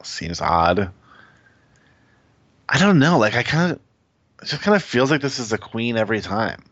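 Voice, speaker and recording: A man's voice: medium pitch, very animated, normal speed, fairly bright tone, no room sound, muffled recording. A man appearing as a guest, analyzing poker strategy casually and thinking aloud with many "like"s.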